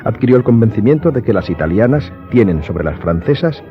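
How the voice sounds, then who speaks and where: A man narrating a dramatized audiobook in a measured, literary storytelling manner. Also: fairly low pitch, sing-song. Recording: dull lo-fi sound, loud music behind.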